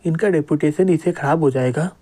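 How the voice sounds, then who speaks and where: A man's voice: a little high, fairly quick, dark tone, lightly acted. Man voicing a cowardly young boss who pleads and grovels. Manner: pleading, fearful.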